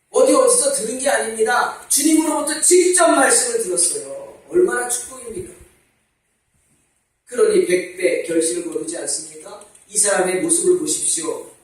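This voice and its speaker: A man preaching a sermon as pastor, asking rhetorical questions and repeating his calls to repent. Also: high-pitched. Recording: echoey church hall, mic at a distance.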